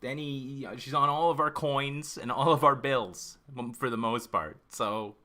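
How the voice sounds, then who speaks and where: A man of fifty from Canada talks loosely with his stream chat, rambling and restarting his sentences. He swears in nearly every line. His voice is bright and forward, at an ordinary pitch for a man. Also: a little slow. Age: 50s. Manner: swears constantly, rambling and self-interrupting. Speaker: livestream host. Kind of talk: casual chat with viewers.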